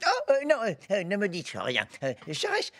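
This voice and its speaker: A woman's voice: medium pitch, wildly swooping pitch, moderate pace. A woman voicing a forgetful elderly male berry sprite in a children's cartoon, hesitant and stammering as he fumbles for words. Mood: flustered, confused.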